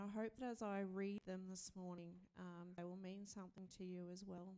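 A woman with a dark, mellow tone speaks at a moderate pace over a quiet background. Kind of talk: short talk then reading song lyrics aloud. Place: church. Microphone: podium.

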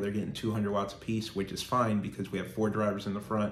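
With audible room echo and light background noise, a man speaks at a fairly low pitch. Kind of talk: casual explanation to camera. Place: office. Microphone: phone near.

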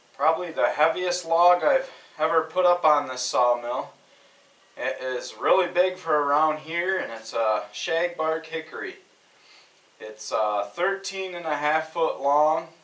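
Audible room echo surrounds a man who talks at a fairly slow pace with a high pitch and ordinary pitch variation. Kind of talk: casual tutorial. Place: workshop. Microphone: camera far.

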